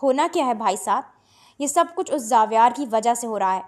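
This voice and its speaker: A woman's voice: on the high side, a little mellow, natural voice. A woman voicing a scheming, spiteful middle-aged aunt in an audio story. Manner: sneering, hateful.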